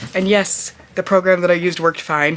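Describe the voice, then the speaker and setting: The speaking moves at a moderate pace over noticeable background noise. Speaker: creative vlogger and small business owner. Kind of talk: casual vlog talk to camera. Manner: rambling, filler-heavy (like, um).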